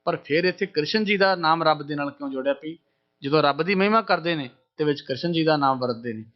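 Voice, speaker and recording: A man giving a religious discourse, explaining scripture and slowly chanting its verses. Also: a little high. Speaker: Sikh preacher. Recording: dull lo-fi broadcast sound.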